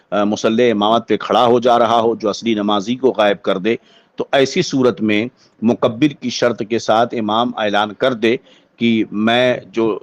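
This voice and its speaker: A Muslim cleric with an Indian accent lectures on a religious ruling, using deliberate, formal scholarly phrasing. His voice is lowish and there's no echo.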